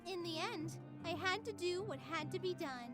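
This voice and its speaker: A woman's voice: very high-pitched, expressive, moderate pace, fairly bright tone, faint music behind. A woman playing a cheerful but tyrannical, self-righteous artificial being, narrating a scripted visual novel. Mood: smug, indignant.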